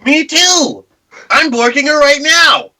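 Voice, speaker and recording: A man's voice: extremely high pitch, lively intonation, takes it slowly, pushed and bright, distant mic. A man playing a tabletop roleplaying game, trading playful banter in character.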